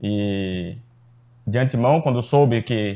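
A man speaks with ordinary pitch variation. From Pomerode, Santa Catarina, Brazil; Santa Catarina, Brazil. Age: 30s. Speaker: political candidate; candidate. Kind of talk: political interview; interview answer. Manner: halting, repeats words. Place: studio. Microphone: lapel.

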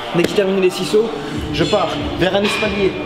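Clear music plays behind a man who talks at a fairly quick pace. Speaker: fitness youtuber. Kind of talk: tutorial. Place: gym.

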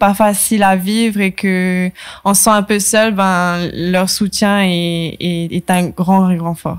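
Very slow, medium-pitched woman against a quiet background. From French Polynesia, Tahiti; French Polynesia. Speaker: beauty pageant titleholder; radio guest. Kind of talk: radio interview. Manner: hesitant, many fillers. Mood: grateful, emotional. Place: studio. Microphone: studio mic.

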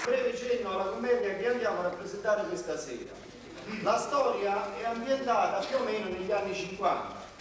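Strong room echo surrounds the voice, with noticeable background noise. The pace is fairly quick. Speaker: playwright introducing the play. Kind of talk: spoken introduction to a stage play. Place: stage. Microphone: camera far.

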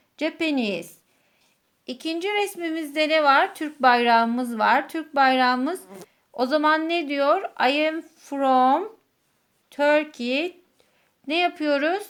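At a very slow pace, a woman speaks in a high pitch with long, frequent pauses. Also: ordinary pitch variation. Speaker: teacher making exam prep videos. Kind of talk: tutorial.

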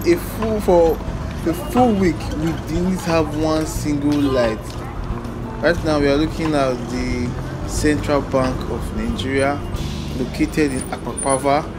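Over clear background music, a man talks at a fairly slow pace with long, frequent pauses. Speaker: walking vlogger. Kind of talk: casual vlog chat. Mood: complaining about power outage. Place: street. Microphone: phone near.

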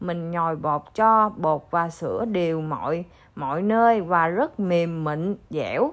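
A woman with a southern Vietnamese accent speaks at a very slow pace against a quiet background. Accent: southern Vietnamese (Saigon). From Saigon, southern Vietnam (District 8). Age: 30s. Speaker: YouTuber, home cook; home cook vlogger. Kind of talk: cooking tutorial vlog. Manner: halting, many fillers, mixes broken English. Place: home room.

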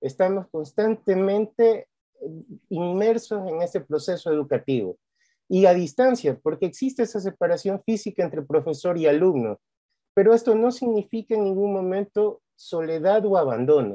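A man speaks at a moderate pace, his pitch high for a man and his intonation lively. The tone is dark and mellow, the sound dry with no echo, and the background quiet. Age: 40s. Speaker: university student. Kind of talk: testimony. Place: home room. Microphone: video call.

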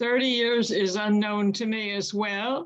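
A woman at a fairly high pitch, very slow, with ordinary pitch variation. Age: 80s+. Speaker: property owner at public meeting. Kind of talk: public meeting discussion.

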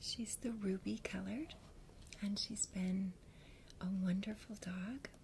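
Somewhat breathy and soft-spoken, someone whispers at a fairly slow pace over light background noise. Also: woman. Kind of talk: casual vlog chat. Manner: soft ASMR whisper. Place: home room.

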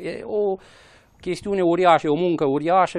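Over a quiet background, a man with a high-pitched voice speaks at a moderate pace. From Romania, Caraș-Severin (Almăj area); Caraș-Severin, Romania. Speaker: heritage preservation association director; guest. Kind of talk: studio interview. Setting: TV studio. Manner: hesitant, with fillers. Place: studio. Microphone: lapel.

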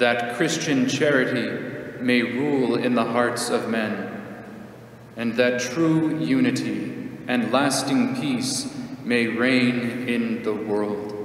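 A very slow delivery with fairly even intonation, audible room echo and light background noise. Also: man. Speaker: priest leading devotion. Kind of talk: liturgical prayer reading. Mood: solemn, reverent. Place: church.

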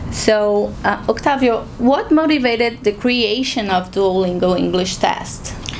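With a Portuguese accent, the speech moves at a fairly slow pace with ordinary pitch variation and very even loudness over light background noise. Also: woman, fairly high pitch for a woman. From Brazil. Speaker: interviewer, channel host. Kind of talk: interview. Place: meeting room.

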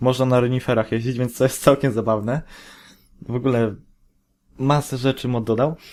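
The delivery is fairly quick but broken by long, frequent pauses. Intonation stays monotone and flat. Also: man. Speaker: gaming YouTuber. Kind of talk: casual vlog monologue. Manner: halting, many fillers.

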